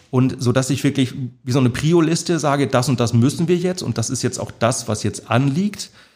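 A man with an ordinary speaking voice moves along fairly quickly, holding a medium pitch that varies in an ordinary way. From Lower Saxony, northern Germany. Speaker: social worker. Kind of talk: interview. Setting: café.

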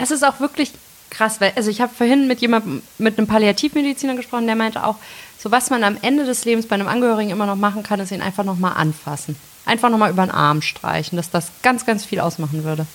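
The delivery is very fast, with lively intonation. Noticeable background noise can be heard. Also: woman. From northern Hesse, Germany (Melsungen). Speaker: podcast co-host. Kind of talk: casual chat.

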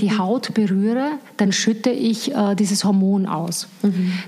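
Against noticeable background noise, a woman with an Austrian accent speaks at a medium pitch in a monotone, flat intonation. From rural Austria. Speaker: coach and former actress. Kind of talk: interview.

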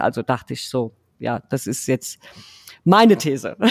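A woman speaks with a non-native accent and very wide pitch swings. The recording is very clean and dry, close with no echo and a silent background. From outside Germany. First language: not German (speaking German). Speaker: hairdresser and podcast co-host. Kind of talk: casual chat. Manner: hesitant with many fillers.

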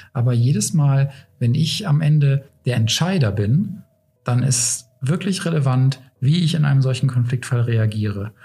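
Speaking fairly slowly at a medium pitch, a man has a dark, mellow, somewhat breathy tone. His loudness stays very even, and his pitch varies in an ordinary way. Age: old. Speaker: podcast co-host, leadership consultant. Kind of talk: casual discussion.

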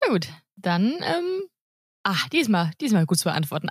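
A woman at a moderate pace, somewhat breathy with lively intonation, in a very clean recording with a silent background and a dry, close sound without echo. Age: 30s. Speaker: veterinarian. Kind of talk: casual chat.

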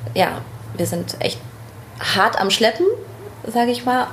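A woman is heard talking amid noticeable background noise and audible room echo. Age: 30s. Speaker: balloon decorator and shop owner. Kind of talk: casual interview. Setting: in her shop.

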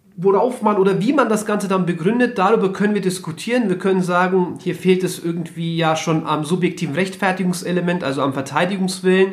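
Amid noticeable background noise and audible room echo, a man with a high pitch talks very fast with hardly any pauses and ordinary pitch variation. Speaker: criminal law scholar, podcast co-host. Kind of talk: casual legal discussion podcast. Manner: shifts into lecturing voice for standard doctrines.

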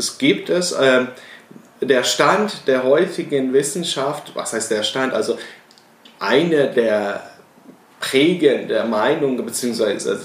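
Very slow speech from a man, noticeable background noise behind it. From Iran. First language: Persian (speaking German). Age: 40s. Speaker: doctoral researcher. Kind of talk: interview. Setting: office. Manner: halting, many fillers and repetitions.

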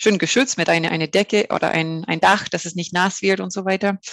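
A woman with an English accent, fairly low in pitch with ordinary pitch variation, at a moderate pace, in a very clean recording with a silent background and a dry, close sound with no echo. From Canada. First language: English (speaking German). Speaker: professor. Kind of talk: interview. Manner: halting, many fillers.

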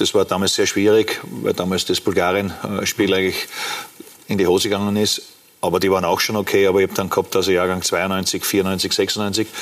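The pace of speech is fairly quick. Noticeable background noise runs underneath. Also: man, very even loudness. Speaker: football coach. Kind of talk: TV talk show.

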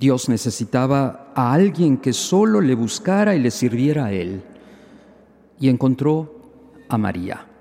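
Noticeable background noise sits under a man's voice. He talks at a fairly slow pace with very wide pitch swings. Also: medium pitch for a man. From Mexico. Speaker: priest of the Latin American community. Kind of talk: sermon.

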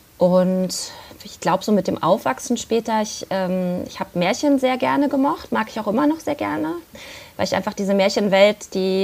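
The woman has an unremarkable speaking voice and talks at a moderate pace. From East Germany, then West Germany. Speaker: children's film festival director. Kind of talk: interview.

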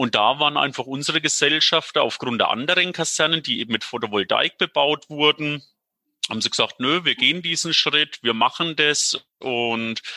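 At a moderate pace, a man with a fairly high pitch and a bright, sharp tone speaks with a dry, close sound and no echo. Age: 30s. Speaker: business park manager. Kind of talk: casual interview.

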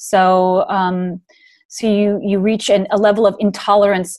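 A woman with an American accent has an unremarkable speaking voice at a medium pitch. She talks at a fairly slow pace against a quiet background. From US. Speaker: communications agency director. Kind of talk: casual interview.

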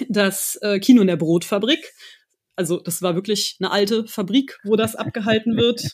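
A woman speaks at a medium pitch in a somewhat breathy voice. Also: ordinary pitch variation, moderate pace. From Cologne area, Germany. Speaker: games researcher and doctoral student. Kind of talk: casual interview chat.

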